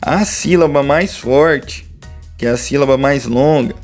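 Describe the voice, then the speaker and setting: A man's voice: medium pitch, unhurried, faint music behind. A young adult Brazilian man teaching a remote lesson, explaining a worksheet to pupils in a casual, direct way. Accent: Brazilian Portuguese.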